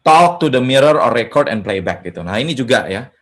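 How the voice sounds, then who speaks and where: A man with a mid-range voice talks casually over a video call, sharing tips from experience. He peppers his speech with tag questions and drops English phrases in mid-sentence. His tone is relaxed and conversational. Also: medium pitch, brisk. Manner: chatty, tags sentences with "ya kan" and "gitu". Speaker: hackathon mentor giving a talk. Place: home setup for an online session.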